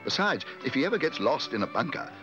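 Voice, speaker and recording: A man's voice: medium pitch, very animated, quick pace, muffled recording, over loud music, pitched above the performer's own voice, close to an everyday voice. A man voicing a polite, earnest, hopeful young bear in a children's storybook reading. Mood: helpful, pleased. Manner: courteous, eager, literal-minded.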